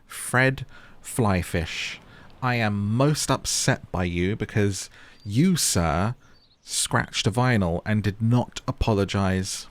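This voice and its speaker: A man's voice: fairly low pitch, takes it slowly. A man casually commentating a game, playful and teasing, often laughing. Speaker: gaming host.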